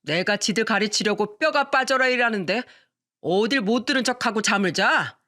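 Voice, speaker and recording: A woman reading a radio story, voicing a drunk, domineering middle-aged husband who yells at his family. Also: mid-range voice, animated, moderate pace. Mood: drunk, bossy. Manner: slurred, domineering yelling.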